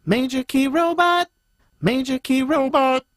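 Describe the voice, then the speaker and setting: A woman's voice crudely pitch-shifted with its formants shifted too, giving an obvious robotic, artificial sound. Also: measured pace, dry recording, clean studio sound. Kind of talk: short demo phrase played in a software tutorial.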